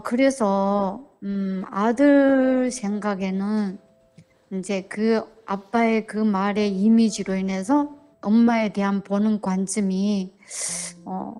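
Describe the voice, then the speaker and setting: A woman in her forties, a church member telling her family troubles in a counseling interview, talking slowly and hesitantly. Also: medium pitch. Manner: slow, hesitant, soft-spoken.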